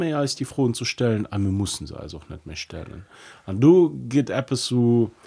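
This man has an unremarkable speaking voice at a medium pitch, with lively intonation on a very clean recording with a silent background. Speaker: podcast co-host. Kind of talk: casual philosophical discussion. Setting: recording studio.

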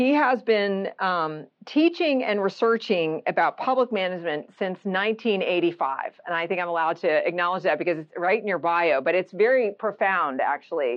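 At a moderate pace and with hardly any pauses, a woman talks at a medium pitch with lively intonation. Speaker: senior lecturer and event moderator. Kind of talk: speaker introduction. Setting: lecture room with audience.

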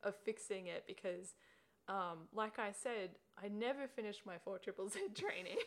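With an Australian accent, a woman talks at a moderate pace in a fairly high pitch. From Western Australia. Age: 30s. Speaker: podcast host. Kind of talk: casual interview chat.

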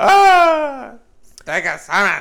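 This is a put-on character voice with a high pitch. The recording is very clean, with a silent background. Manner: cartoonish, gibberish-like.

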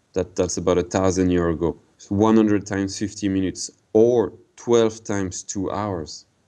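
Against a quiet background, a man with a French accent speaks at a moderate pace in a fairly low pitch, his tone dark and mellow and his intonation fairly even. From France. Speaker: watch brand founder. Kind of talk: interview. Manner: halting.

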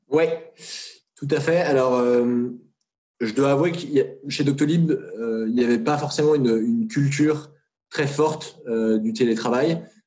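With audible room echo, a man speaks at a fairly slow pace in a dark, mellow tone, fairly high pitch and ordinary pitch variation, leaving long, frequent pauses. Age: 20s. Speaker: employee of a health-tech company. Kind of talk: interview. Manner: hesitant, many fillers.

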